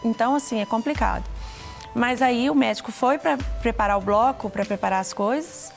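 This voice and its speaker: A middle-aged Brazilian woman tells her testimony in an earnest, halting way, often restarting her sentences. Her voice sits a little high and has a gravelly edge. Soft music plays underneath. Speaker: guest giving a testimony. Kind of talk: emotional personal testimony.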